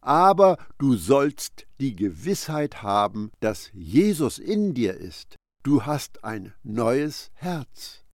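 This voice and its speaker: A man's voice: mid-range voice, very animated, takes it slowly, few pauses, no room sound, clean studio sound. A man preaching a Bible commentary, speaking emphatically and addressing the listener directly. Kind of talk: sermon-style Bible commentary.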